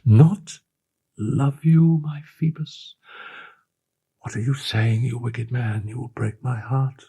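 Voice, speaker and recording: A man voicing a young gypsy girl who is lovestruck and pleading, shifting between hushed whispers and urgent cries. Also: lowish voice, takes it slowly, gravelly, husky, pitched above the performer's own voice, heavily acted. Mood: passionate. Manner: tender, imploring, swings between whispers and cries. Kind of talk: audiobook character voice.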